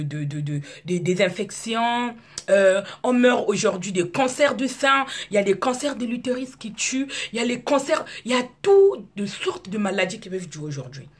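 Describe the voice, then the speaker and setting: A woman in her thirties from Congo, whose first language is Lari, talking to her viewers in an outspoken monologue with frequent halting restarts. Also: mid-range voice. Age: 30s. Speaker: video blogger. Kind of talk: casual monologue to camera.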